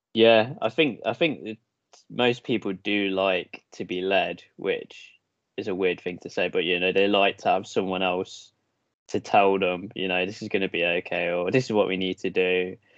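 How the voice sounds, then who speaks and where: In an unremarkable speaking voice, a man with a fairly low pitch speaks at a moderate pace with fairly even intonation, the sound dry and close with no echo against a quiet background. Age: 30s. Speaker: professional wrestler. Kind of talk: casual chat.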